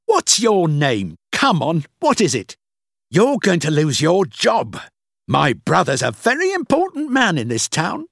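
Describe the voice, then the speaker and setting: A man voicing an angry, self-important thin white-haired man in a storybook, shouting and demanding in a pompous way. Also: medium pitch, huge pitch swings, unhurried, gravelly, hardly any pauses, no echo, clean studio sound, pitched above the performer's own voice, exaggerated voice. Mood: furious, demanding.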